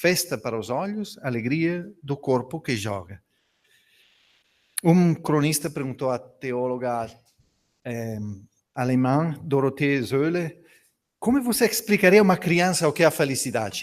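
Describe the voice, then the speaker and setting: A man with a Spanish accent speaks at a fairly slow pace in a fairly high voice, with lively intonation and long, frequent pauses, on a very clean recording with a silent background. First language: Spanish (speaking Portuguese). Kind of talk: seminar talk. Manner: halting, with fillers.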